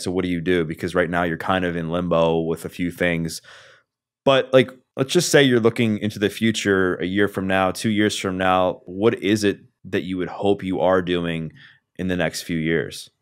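A man in his thirties hosting a podcast interview, relaxed and casual with many filler words, on a studio mic. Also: low-pitched, moderate pace. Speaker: podcast host. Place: small room, video call. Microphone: studio mic on boom arm with headphones.

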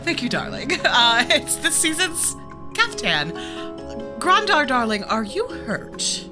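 Female player as theatrical fond lady, slow, affected, fairly high, music behind. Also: very animated, full character voice. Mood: fond, preening. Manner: languid, affected. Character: affectionate, theatrical lady who calls everyone darling.

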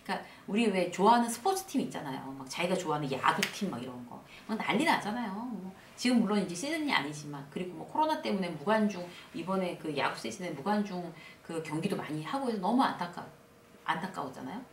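A woman host giving a casual spoken lesson on workplace confidence, acting out upbeat self-talk in a lively way. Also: on the low side, fast talker, reverberant, far from the mic, slight background noise. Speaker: workplace lecturer and channel host.

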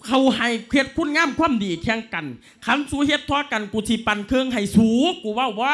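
A scornful old village mother, acted by a man with a thick Isan accent, shrill and sharp-edged, her pitch leaping up and down. She scolds fast and coarsely, laughing through her words in a sermon drama. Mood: scolding.

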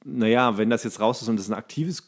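A male podcast host with a medium-pitched voice chats casually. He thinks out loud in long, rambling turns and slips English slang into his talk. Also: quick pace. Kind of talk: casual chat.

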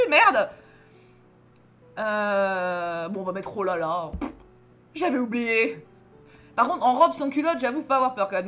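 This French-accented young adult woman, her pitch fairly high, streams a story game and reads its dialogue aloud. She chats and jokes loudly, expressive throughout, moving between outbursts and mutters.

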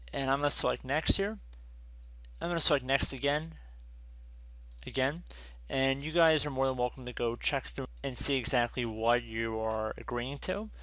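A man's voice: mid-range voice, a bit bright, dry recording. A man narrating a screen-recorded computer tutorial, casually walking viewers through each step.

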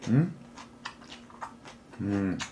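A man's voice: lowish voice, very animated, takes it slowly, mellow, muffled recording, slight background noise. A man streaming a mukbang, talking casually with his mouth full and murmuring between bites. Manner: mumbled, murmuring with food sounds. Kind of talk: casual eating broadcast chat.

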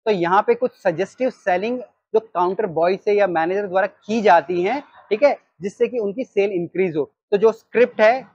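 A man in his thirties with an Indian accent, teaching restaurant staff how to take orders in an animated way. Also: high-pitched, husky, dry recording, highs cut off. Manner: animated, gestures while reading from a sheet. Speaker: restaurant trainer. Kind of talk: training talk. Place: storefront of a small takeaway, outdoors. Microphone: lapel mic.

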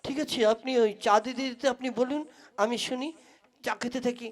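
A woman's voice: fairly high pitch, fairly even intonation, brisk, natural voice. A woman playing a courteous, hesitant man who is a stranger in a village, in a comic puppet play. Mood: hesitant, insistent. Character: polite, hesitant, increasingly impatient male stranger seeking directions.

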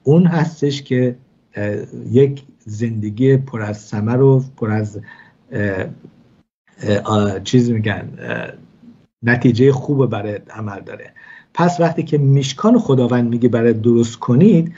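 Man, religious lesson, slow explaining, warm dark voice, muffled recording. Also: mid-range voice, breathy edge. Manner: measured explaining, frequent hesitations. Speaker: religious teacher. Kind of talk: weekly Torah lesson.

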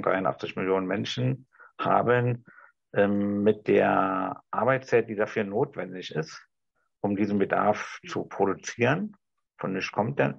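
A middle-aged man with a low, husky, gravelly voice and a restrained Berlin accent. He improvises a careful, halting address. The sound is dry and a little dull, like a video call. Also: no room sound. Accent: Berlin German, restrained toward High German. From Berlin, Germany. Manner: halting, careful articulation, searching for words. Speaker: discussion participant. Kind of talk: improvised speech to an imagined TV audience. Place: small room indoors. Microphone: video call, device at some distance.

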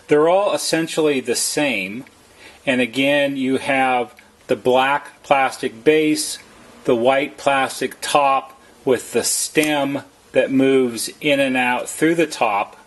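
A man with a slightly husky voice narrates a how-to as a service technician, explaining plainly and methodically, step by step. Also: mid-range voice, slow pace. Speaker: service technician giving a tutorial.

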